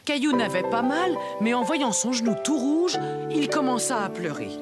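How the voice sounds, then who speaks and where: Animated woman narrating a children's story. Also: a little high, normal speed, over loud music. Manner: expressive storyteller.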